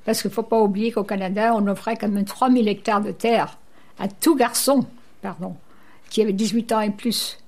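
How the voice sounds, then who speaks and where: An older woman from Brittany, a returned emigrant, telling stories as a guest on a radio interview in a lively, chatty way. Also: medium pitch, normal speed. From Brittany, France. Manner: lively storyteller, chatty and animated.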